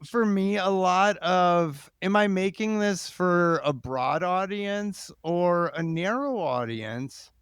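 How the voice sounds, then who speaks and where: A man hosting a casual interview podcast, informal and halting as he thinks aloud. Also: high voice, a bit bright, clean tone, no echo, clean studio sound. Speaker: podcast host.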